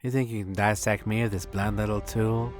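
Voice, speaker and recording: A man acts out a cultured killer with a low voice, picking at his listener with precise condescension. He is sinister and menacing, in a film-monologue style, with music clearly behind him. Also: fairly even intonation, brisk, lightly acted. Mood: contemptuous, taunting. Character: cultured, menacing male serial killer taunting an agent.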